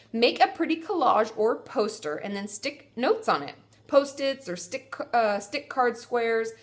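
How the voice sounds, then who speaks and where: A young woman therapist with a congested, stuffy nose, giving chatty, reassuring advice to viewers and correcting herself as she goes. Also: fairly high pitch. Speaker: therapist answering viewer questions. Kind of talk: casual advice vlog.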